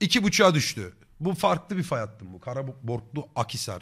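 A man talks at a moderate pace in an animated tone, with vocal fry. The background is quiet. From Turkey. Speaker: streamer. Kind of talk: live stream reaction commentary. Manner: casual, animated. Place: home room. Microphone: studio mic.

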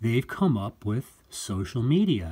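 Against a quiet background, a man speaks at a fairly slow pace in a somewhat breathy voice with a dark, mellow tone. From United States. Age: 50s. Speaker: online commentator. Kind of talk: monologue to camera. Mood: aggrieved, defensive. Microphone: phone near.

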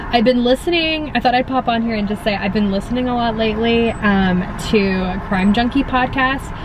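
A woman's voice with ordinary pitch variation, dry and without echo, against noticeable background noise. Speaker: vlogger. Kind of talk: casual vlog chat. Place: car.

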